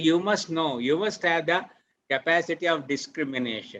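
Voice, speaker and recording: A man with an Indian accent speaks at a moderate pace, his fairly high pitch moving with ordinary variation. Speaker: yoga teacher. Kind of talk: interview answer.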